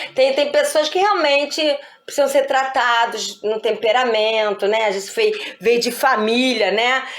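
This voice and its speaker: Noticeable background noise sits behind a woman with a high pitch, lively intonation and a moderate pace. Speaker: pastor. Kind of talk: Bible study teaching. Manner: loud, sounds like arguing.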